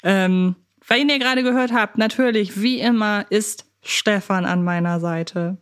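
A woman's voice: medium pitch, a little slow, clear, resonant tone. A woman with a mid-range voice hosts a podcast. She speaks informally and chattily, as if bantering with a familiar co-host. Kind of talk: casual hosting, chatty banter.

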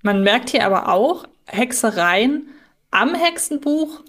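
A woman's voice: a little high, expressive, slow, a bit bright. A woman co-hosting a casual fan podcast, chatting in a wordy, emphatic way. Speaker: podcast co-host.

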